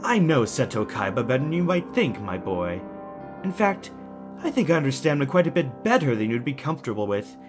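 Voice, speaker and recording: A man's voice: mid-range voice, big pitch swings, a little fast, music in the background, close to an everyday voice. An actor playing a deranged, genteel villain in an audio drama, formal and mocking, savoring his words with menacing sweetness. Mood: silky menace.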